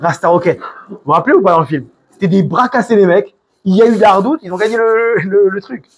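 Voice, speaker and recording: A French man with a French accent preaches an informal sermon in a high, fast voice with a breathy edge. He fills it with stories, restarts and Hebrew religious terms.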